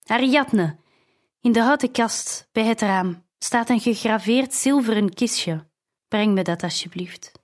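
A woman's voice: fairly high pitch, a little slow, close to an everyday voice. A woman reading the lines of a stern older father in an audiobook, firm and commanding. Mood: urgent.

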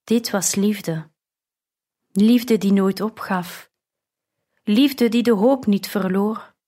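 A woman reading a first-person audiobook in a measured, earnest way. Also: medium pitch, warm tone. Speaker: narrator.

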